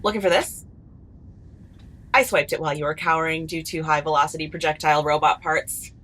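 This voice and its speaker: Cheeky, bright-voiced sneaky woman. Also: low voice, a little fast. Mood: smug, teasing. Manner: chatty, mock-innocent, teasing. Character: cheeky, gleefully sneaky woman, chatty amateur snoop. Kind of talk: comedy audio drama acting.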